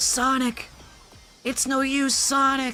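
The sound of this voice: Against music in the background, a put-on character voice sounds strained, high in pitch and monotone with flat intonation.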